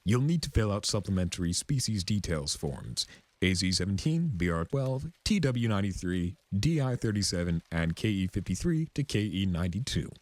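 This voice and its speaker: A man's voice: sits low, big pitch swings, normal speed, darkish tone, no room sound. A man voicing a male pegasus clerk, literal and bureaucratic, in a story reading. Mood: officious. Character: officious, hesitant male pegasus clerk doing paperwork.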